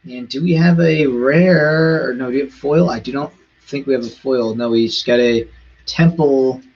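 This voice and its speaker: A chatty man talking on a casual live stream, his voice a little husky and worn at the edges. He talks in quick bursts and trips over unfamiliar words. The audio is dull and muffled. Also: mid-range voice, darkish tone. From Canada.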